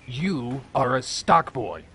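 A man's voice: mid-range voice, very animated, takes it slowly, sharp tone, slight background noise, heavily acted. A man playing an exasperated, by-the-book grocery store manager in a comedy audio sketch. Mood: exasperated, insistent.

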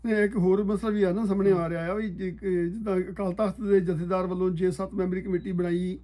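A man's voice: high-pitched, little pitch movement, a little fast, warm tone. A man interviewing a guest, mostly murmuring acknowledgements and then laying out his questions.

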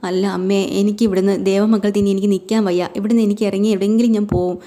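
Woman doing a sad young bride, pleading and teary, talks fast. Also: medium pitch, little pitch movement, warm tone, lightly acted. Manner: pleading, tearful. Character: timid young wife, tearful and pleading.

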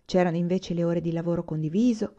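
A woman reading a story aloud in a calm, even narration. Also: fairly low pitch, fast, muffled recording. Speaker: audiobook narrator.

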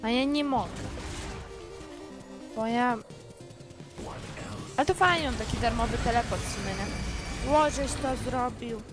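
Excitable high-voiced woman over loud music. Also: measured pace, pauses often. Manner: excitable, exclaiming. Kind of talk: casual gaming chat.

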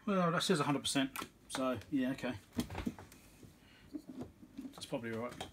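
A man's voice: medium pitch, normal speed, background noise. A man giving casual bench commentary as he works, thinking aloud in an offhand, muttering way like a repair technician. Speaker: electronics repair technician and video host. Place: small cluttered indoor electronics workbench.

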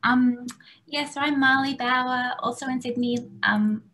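A woman's voice: sits high, steady tone, unhurried, bright, forceful tone. A young woman briefly introducing herself on a video call in a polite, slightly hesitant way. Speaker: researcher panelist. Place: home room by a window on a video call.

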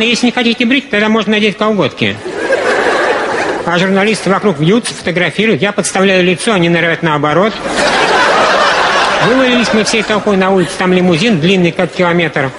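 Male stand-up, high voice, live stage set, audience roaring and hall loud around him. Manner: deadpan storytelling with quick shifts into voiced characters. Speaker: stand-up comedian. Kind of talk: humorous monologue performed on stage. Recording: loud crowd and noise of a live show. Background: laughing audience.

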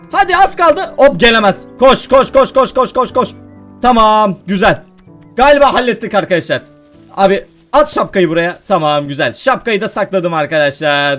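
A young man giving excitable let's-play commentary, often laughing and shouting as he plays, with faint game music behind. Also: sits high. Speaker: gaming YouTuber.

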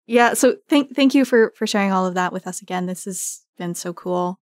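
A woman's voice: medium pitch, normal speed, dry recording, studio quality. A woman hosting an interview podcast in an effusive, conversational way. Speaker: podcast host.

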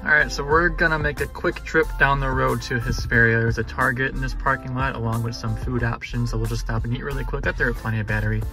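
A young man narrates a road trip vlog from inside a car. He talks in a casual, upbeat way, explaining details to his viewers. His voice sits at a middle pitch, with clear background music under it. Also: steady tone, fast talker, few pauses. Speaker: vlogger.

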